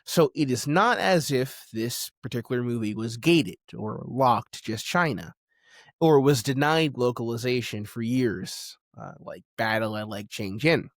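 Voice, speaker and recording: Male video essayist, mid-pitched, emphatic and opinionated, dramatic pauses, dry close recording. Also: no echo.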